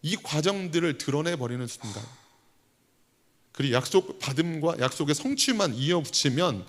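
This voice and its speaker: A man's voice: a little high, animated, normal speed. A man in his thirties, an associate pastor, preaching a conversational sermon with prayers voiced aloud. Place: church sanctuary. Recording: long church reverb.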